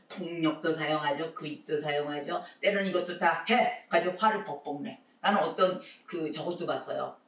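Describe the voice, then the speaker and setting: A man preaching a sermon, telling the story with animated voices for the people in it. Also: high-pitched. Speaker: pastor. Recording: echoey room, recorded from far off.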